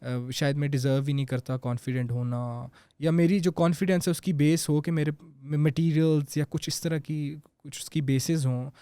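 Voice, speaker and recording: A Pakistani man giving motivational advice on a podcast, his voice a little higher than most men's. He speaks earnestly, slowing down to stress key phrases and then rushing through asides. The sound is close and dry, with no room echo. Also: fairly even intonation, dark tone, clean tone. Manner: earnest, slow emphatic English lines amid quick Urdu. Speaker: public speaking guest.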